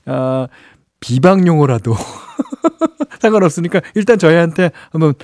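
With a fairly high, sing-song voice and a darkish tone, a middle-aged radio host reads out listener messages at an unhurried pace. He's chatty, chuckles often, and uses many fillers. The sound is dry studio audio from a studio microphone, with no echo.

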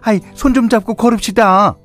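A man's voice: high-pitched, fairly even intonation, fairly quick, fairly bright tone, soft background music, pitched above the performer's own voice. A man playing a coy older wife. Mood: coaxing. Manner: wheedling, teasing complaints.

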